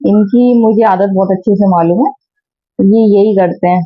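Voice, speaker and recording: A woman's voice: mid-range voice, steady tone, moderate pace. A woman in her thirties chatting casually to viewers in a home vlog, sounding sleepy and tired as she talks about her children, recorded on a phone camera in her bedroom. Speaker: family vlogger. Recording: dull lo-fi phone audio.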